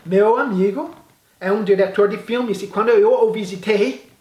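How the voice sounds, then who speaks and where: A man whose first language is English, teaching an English lesson in Portuguese and saying the model phrases slowly and carefully. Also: high voice, warm tone, echoey room.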